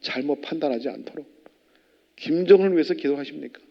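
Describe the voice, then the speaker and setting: A man preaching a sermon as pastor, animated and firing rhetorical questions at the congregation. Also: on the high side, fast talker, creaky. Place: church sanctuary. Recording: long church reverb, dull lo-fi.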